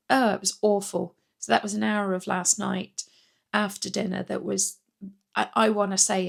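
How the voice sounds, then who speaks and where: A middle-aged woman with a croaky voice from a cold, giving a rambling, chatty vlog update full of ums and restarts. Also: mid-range voice. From Britain. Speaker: weight-loss vlogger.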